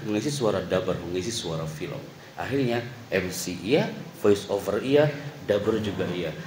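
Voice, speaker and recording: Animated man telling stories to students. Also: deep voice, unhurried, slight background noise. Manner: animated storyteller, acts out quotes, swings loud and soft. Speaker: motivational speaker at a boarding school. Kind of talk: lively motivational talk to students. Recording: echoey hall with faint ambience.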